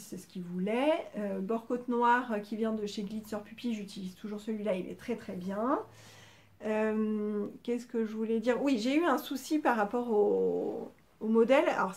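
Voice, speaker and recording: A middle-aged woman talks through a sewing project in relaxed show-and-tell chat, a little high-pitched. She rambles, pauses and restarts often, hosting her crafting podcast from home. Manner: chatty, rambling, many hesitations.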